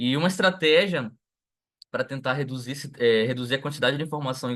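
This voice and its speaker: Talking at a very fast pace against a quiet background, a man uses a bright, sharp tone at medium pitch. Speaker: research group member giving feedback. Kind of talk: academic feedback in group meeting.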